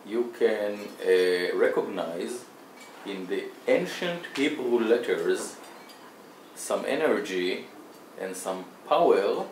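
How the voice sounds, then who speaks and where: A man's voice: lowish voice, distant mic. A man interviewing an artist, asking questions in formal, flowery phrases. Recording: echoey room, faint hiss.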